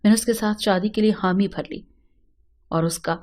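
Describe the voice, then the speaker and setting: A woman's voice: medium pitch, steady tone, moderate pace, a little mellow. A woman reading a sad first-person story aloud in an earnest, emotional manner.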